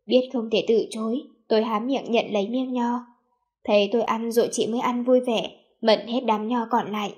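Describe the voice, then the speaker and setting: Woman, story narrator, reflective, soft, slightly high voice. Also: steady tone, normal speed. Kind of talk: first-person story narration.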